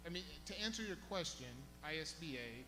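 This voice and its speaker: Male board chair with halting answers and a hum underneath. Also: fairly high pitch, lively intonation, long reverb tail. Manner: hesitant, halting explanations. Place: public meeting room. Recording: background hum.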